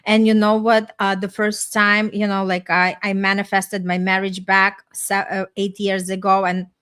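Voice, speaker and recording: A chatty middle-aged Eastern European woman from a small town in Ukraine, in the former Soviet Union, tells personal stories in casual conversation as a podcast host and life coach. Her mid-range voice is clear, resonant and a bit bright, fairly even in pitch, at a normal speed.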